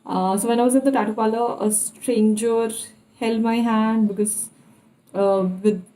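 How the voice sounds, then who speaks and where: Slow, hesitant Indian-accented young woman. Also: a little high, steady tone, mellow, poor audio. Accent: Indian English. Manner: hesitant, pausing often to recall details. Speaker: vlogger. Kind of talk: casual personal vlog storytelling.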